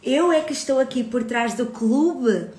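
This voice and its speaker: A woman's voice: high voice, animated, a little slow, a little mellow, echoey room. A woman in her thirties with a European Portuguese accent, hosting a casual live stream about her book club, chatty and greeting viewers. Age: 30s.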